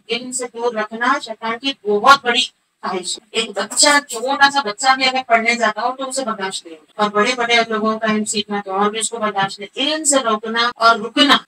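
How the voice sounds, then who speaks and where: A woman teaching religion in a voice altered to mask her, pitched a little high with a bright, sharp edge. She speaks earnestly in simple plain words and often repeats a phrase for emphasis. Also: slight background noise, rough recording. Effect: voice altered to hide identity. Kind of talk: religious talk and appeal.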